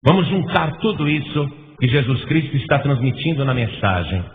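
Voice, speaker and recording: A man with a Brazilian Portuguese accent preaching a sermon as pastor, building to loud, emphatic repeated lists. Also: medium pitch, sing-song, normal speed. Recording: tinny phone-like sound with long reverb and faint noise.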